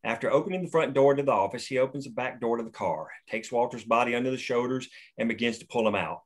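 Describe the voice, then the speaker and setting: A man reading the stage directions aloud at a script table read in a steady, plain way. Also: medium pitch, quick pace.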